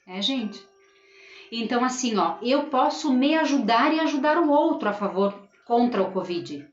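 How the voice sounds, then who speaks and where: A woman's voice: on the high side, expressive, moderate pace, soft background music. A middle-aged woman, a school teacher, hosting a casual live stream and earnestly talking to her viewers. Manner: earnest, addresses viewers and reads their comments aloud. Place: at home. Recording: roomy, dull lo-fi home live stream.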